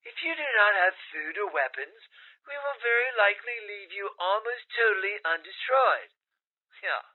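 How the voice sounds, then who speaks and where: A man's voice: high-pitched, expressive, moderate pace. An actor playing a defensive, weird gang bro who insists he is normal, on a tinny radio advert in an audio drama. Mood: defensive, pushy. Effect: tinny radio filter. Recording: tinny narrow-band phone-like radio sound.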